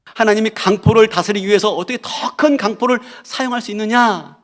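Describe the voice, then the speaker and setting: A man's voice: sits high, fairly quick. A male pastor preaching a sermon in a church, repeating key phrases and asking the congregation rhetorical questions.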